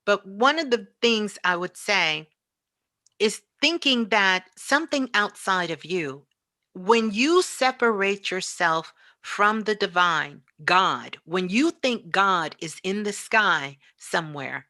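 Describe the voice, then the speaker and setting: A woman's voice: mid-range voice, lively intonation, slow, pushed and bright, dry recording. A woman giving a spiritual motivational talk as a teacher, speaking emphatically and repeating phrases for effect.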